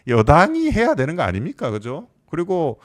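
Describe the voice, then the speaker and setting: A man's voice: a little high, huge pitch swings, moderate pace, dry recording, clean studio sound. A man in his fifties giving a live explanatory lecture, putting questions to his listeners. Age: 50s. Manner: explanatory, asks the audience questions. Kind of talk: live lecture on pension reform.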